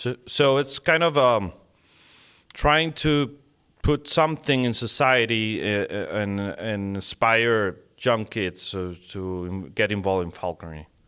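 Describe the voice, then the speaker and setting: A man's medium-pitched voice, bright and sharp, with lively intonation at a very slow pace on a very clean recording with a silent background. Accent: Spanish. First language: Spanish. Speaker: falconer. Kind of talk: interview. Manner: halting.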